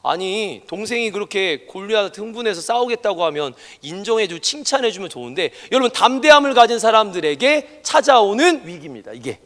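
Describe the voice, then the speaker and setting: A man preaching a sermon as pastor, animated and emphatic, acting out the voices he quotes. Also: high-pitched, brisk, few pauses. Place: church education hall. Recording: reverberant church hall.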